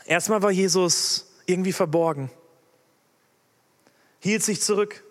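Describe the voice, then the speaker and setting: A man delivers an emphatic sermon in a fairly high voice, turning to his listeners with direct questions. His words ring out with a long reverb, as in a large hall. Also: measured pace. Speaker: preacher.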